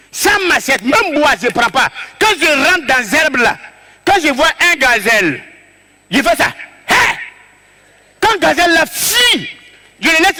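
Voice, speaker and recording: Stand-up man, West African French accent, animated storyteller, very high and sharp voice. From Togo. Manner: animated, acts out scenes, shouts and drops to low asides. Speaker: stand-up comedian. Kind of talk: comic storytelling on stage.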